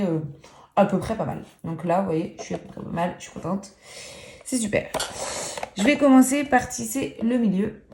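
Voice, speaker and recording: A woman's voice: mid-range voice, background noise. A woman hosting a crafts tutorial, chatty and playful, mocking herself, swearing casually and counting knots aloud as she works. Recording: roomy echo.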